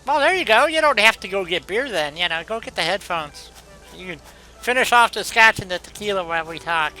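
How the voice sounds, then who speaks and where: A man's voice: high voice, lively intonation, brisk, sharp tone, low-quality recording. A man chatting casually with a viewer while playing a game on stream, rambling in a folksy way and leaning on "you know.".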